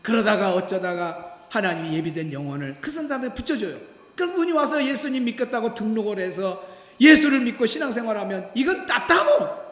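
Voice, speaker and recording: Male pastor, sermon delivery with lively swings in pitch; animated storyteller, recorded in a reverberant church sanctuary. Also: fairly quick. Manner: animated storytelling, acting out quoted voices. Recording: echoey church hall.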